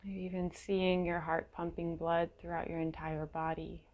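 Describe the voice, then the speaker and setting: A woman leading a guided meditation in a gentle, unhurried way, leaving long pauses between short phrases, with a creaky voice. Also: on the low side, flat delivery, phone-quality sound. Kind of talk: guided meditation, slow and soothing.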